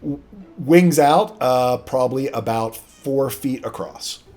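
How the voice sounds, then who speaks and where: Slow-paced man running a tabletop game. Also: mid-range voice, darkish tone. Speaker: game master. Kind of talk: casual tabletop game banter.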